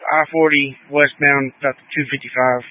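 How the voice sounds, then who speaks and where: A man, a highway patrol officer calling in over a two-way radio in terse, clipped codes. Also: little pitch movement, moderate pace, no echo. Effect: heard over a two-way radio. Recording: tinny, dry two-way radio channel.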